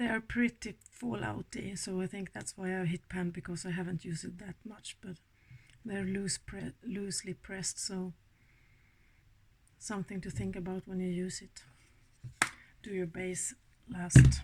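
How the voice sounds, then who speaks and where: With a non-native accent, a woman speaks at a medium pitch and a moderate pace, using vocal fry and ordinary pitch variation, with long, frequent pauses. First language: Swedish. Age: 50s. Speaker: beauty vlogger. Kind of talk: casual chat. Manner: chatty, rambling.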